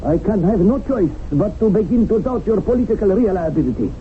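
Fanatical gang leader, declamatory, imperious, highish voice, tinny old radio drama sound. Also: male voice, lively intonation, brisk, a little hiss or hum. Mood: commanding. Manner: pompous, dogmatic, declamatory.

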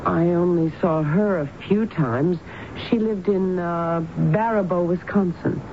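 A woman playing a puzzled, uneasy married patient in a 1970s radio drama, hesitant and questioning. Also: measured pace. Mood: puzzled, reserved. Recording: dull, noisy 1970s radio recording with rumble.

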